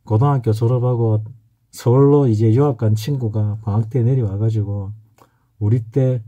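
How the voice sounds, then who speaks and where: With a pronounced Gyeongsang Korean accent, a middle-aged man from that region of South Korea teaches saju in a loose, anecdotal lecture full of hesitations and restarts. His medium-pitched voice is dark, mellow and husky with a steady tone, and the audio's high frequencies are cut off.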